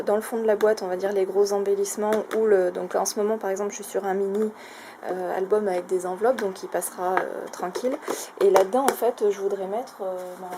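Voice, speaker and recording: A woman's voice: mid-range voice, creaky. A woman casually showing a craft shopping haul, talking in a chatty, hesitant way with many fillers. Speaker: craft vlogger. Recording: noisy home recording.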